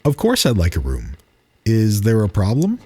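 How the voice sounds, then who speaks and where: Hesitant storybook traveler, played by a man: courteous, uneasy, husky, lifted in pitch. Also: wildly swooping pitch, moderate pace, mellow, heavily acted. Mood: puzzled. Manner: hesitant, polite, with ums. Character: hesitant, polite male traveler seeking a room.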